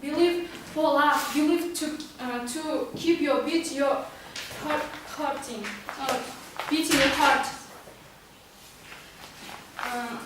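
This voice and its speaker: A woman, a native Kazakh speaker with a Kazakh accent, haltingly delivering an amateur motivational speech with long searching hesitations. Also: high-pitched. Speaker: club speaker. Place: meeting room, recorded from a distance. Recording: very echoey room, distant mic, faint noise.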